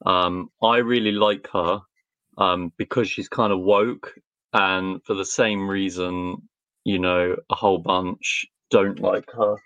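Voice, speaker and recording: A man from Britain, co-hosting a casual chat from a video call and talking in a relaxed, rambling way. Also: low-pitched, slow, dry recording, muffled recording. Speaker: co-host.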